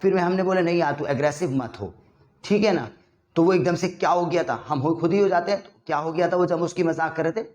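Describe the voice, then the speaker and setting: A man's voice: fairly high pitch, fast talker, darkish tone, roomy sound, lo-fi sound. A man teaching English vocabulary in a casual Hindi lesson, acting out little scenes and quizzing the listener.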